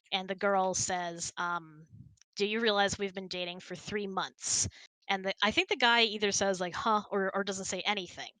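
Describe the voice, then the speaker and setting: A woman's voice: on the low side, pushed and bright, no room sound, rough recording. A woman hosting a casual chat, answering questions and telling stories. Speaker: host answering audience questions.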